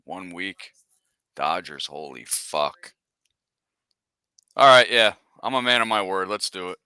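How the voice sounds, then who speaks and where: A man's voice: deep voice, expressive, slow pace, sharp tone, clear, resonant tone, dry recording, clean studio sound. A man co-hosting a casual sports chat, joking bluntly and swearing now and then. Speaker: podcast co-host.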